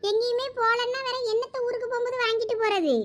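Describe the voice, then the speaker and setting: A woman's voice: very high voice, steady tone, fast talker, fairly bright tone. A woman playing an angry middle-aged village woman who scolds and complains. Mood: ranting. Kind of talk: comedy skit acting.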